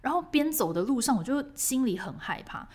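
A woman from Taiwan with a Taiwanese Mandarin accent, hosting a podcast and telling a personal story in an animated, expressive way. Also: high-pitched, a little fast, breathy edge. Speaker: podcast host.

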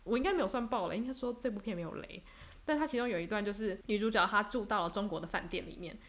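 Fast-talking young woman podcast co-host. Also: medium pitch, fairly bright tone. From Taiwan. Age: young adult. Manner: reflective, many fillers and restarts. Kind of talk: casual chat.

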